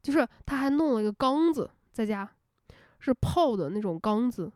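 A woman hosting an unscripted casual rant, telling stories in an animated way, laughing often and dropping English words into her talk. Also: on the high side, normal speed, no room sound, clean studio sound. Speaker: host.

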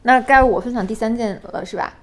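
A woman co-hosting a casual podcast chat, telling anecdotes in a lively way and laughing as she goes. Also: on the high side, fast, slight background noise. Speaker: podcast co-host.

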